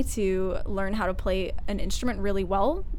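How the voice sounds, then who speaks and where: A woman talks at a fairly quick pace with ordinary pitch variation. Noticeable background noise can be heard. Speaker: podcast host. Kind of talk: casual chat. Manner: informal, laid back.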